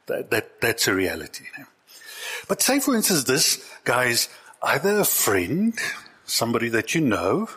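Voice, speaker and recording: A man's voice: mid-range voice, huge pitch swings, a little slow, fairly bright tone, husky. A man preaching a conversational sermon to his congregation as pastor. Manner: conversational preaching, shifts into acted quotes.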